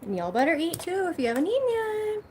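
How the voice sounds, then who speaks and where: A woman's voice: very high voice, very animated, fast talker, noisy background. A young woman hosting a casual livestream, chatting loosely and swearing freely while she eats. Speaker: livestream host.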